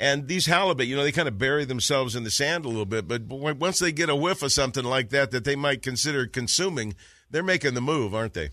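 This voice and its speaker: A man with an American accent and medium pitch talks at a very fast pace with hardly any pauses, against a quiet background. His tone is bright, sharp and animated, with ordinary pitch variation. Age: old. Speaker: radio host. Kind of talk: radio fishing show chat.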